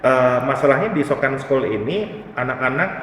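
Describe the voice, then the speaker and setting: A man's voice: medium pitch, animated, fairly bright tone, slight background noise. Man explaining thoughtfully in a reverberant room. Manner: thoughtful, many pauses and fillers. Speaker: company CEO, interview guest. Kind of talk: explanatory casual chat. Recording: reverberant room, distant mic, faint ambience.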